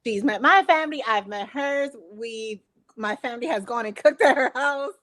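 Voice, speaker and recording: Earnest woman co-host, fairly high voice. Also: normal speed, fairly bright tone. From Philadelphia. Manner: earnest, explaining at length. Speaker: co-host, travel agent. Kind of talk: casual chat.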